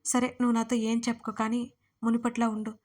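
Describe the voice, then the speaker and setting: A woman's voice: fairly high pitch, flat delivery, brisk, a little mellow, close to an everyday voice. A woman playing a worried, firm mother. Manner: anxious, coaxing.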